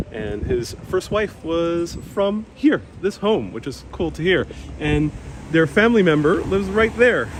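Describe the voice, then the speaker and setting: Man with a Queens Hispanic accent, Spanish first language, slightly higher voice; relaxed live tour host on a phone mic, noisy outdoor street. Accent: Queens Hispanic New York. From Puerto Rico, raised in New York. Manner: relaxed, chatty, reads out viewer comments. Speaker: walking tour livestream host. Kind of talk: casual live walking tour, chatting with viewers. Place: outdoors on a town street with passing traffic. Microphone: phone-mounted mic while walking.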